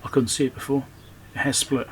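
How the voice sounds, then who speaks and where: A man shows his own electronics repair work on video, speaking fairly quickly with a flat delivery at medium pitch. He mutters and thinks aloud casually while handling the job, and the rough recording carries clear background noise.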